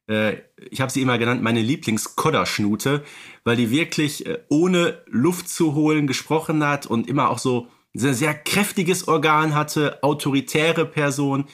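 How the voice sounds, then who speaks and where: A man's voice: a little high, normal speed, a bit bright. A man co-hosting a podcast, chatting casually with frequent hesitations. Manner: hesitant, many "äh" fillers, chatty. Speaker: podcast co-host. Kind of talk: casual podcast chat about radio plays.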